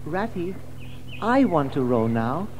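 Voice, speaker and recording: Slow, mellow timid young mole. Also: female voice, deep voice, sing-song, a little hiss or hum, heavily acted, poor audio. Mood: polite, eager. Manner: hesitant, breathy exclamations of wonder. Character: timid, polite, naive young mole, easily awed. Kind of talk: theatrical children's audio drama.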